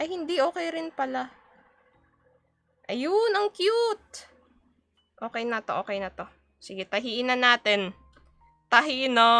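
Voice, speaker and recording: A woman's raised, projected voice, high in pitch with very wide pitch swings and big swings in loudness, fairly slow with long, frequent pauses, over music in the background. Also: dry, close sound with no echo. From Philippines. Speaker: vtuber crafter and streamer. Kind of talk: casual live stream chat while crocheting. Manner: chatty, code-switching Tagalog and English.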